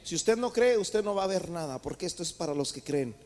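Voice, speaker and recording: A man's voice: high voice, lively intonation, a little fast, darkish tone. A man preaching a sermon, rising to emphatic peaks and calling his listeners brothers. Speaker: pastor.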